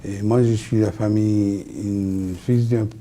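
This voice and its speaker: Older man from Mauritius, flat and deep. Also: a little slow, a little hiss or hum. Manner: short plain sentences, simple phrasing. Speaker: guest, company founder. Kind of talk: interview answers.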